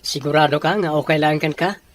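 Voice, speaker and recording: A man's voice: a little high, steady tone, brisk, no room sound, natural voice. A man playing an earnest, dutiful young man in an audio drama, speaking in a polite, placating way. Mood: tender.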